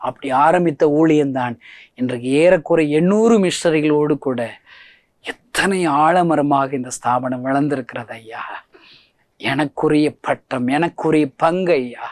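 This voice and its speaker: A man preaching a testimony sermon, swinging from soft to loud and pleading as he asks his listeners direct questions. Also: a little high, unhurried, dry recording. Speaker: preacher and ministry founder.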